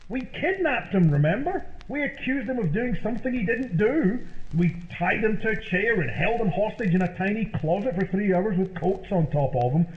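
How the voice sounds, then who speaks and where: A man acting a grumbling prankster sidekick in an old-time radio comedy, with a theatrical, drawn-out delivery. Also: high-pitched, animated. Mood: uneasy. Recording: tinny, echoey, noisy old-time radio sound.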